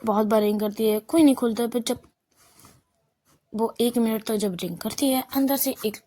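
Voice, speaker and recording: A woman's voice: fairly high pitch, moderate pace, warm tone. A woman narrating a love story in a casual, unscripted way, often restarting and correcting herself.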